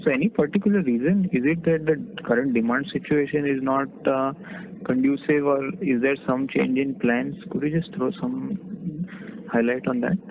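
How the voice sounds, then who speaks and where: A man's voice: medium pitch, normal speed, gravelly. A man with an Indian accent, an analyst phoning in to ask questions on an earnings call. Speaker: analyst caller. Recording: noisy narrow phone line.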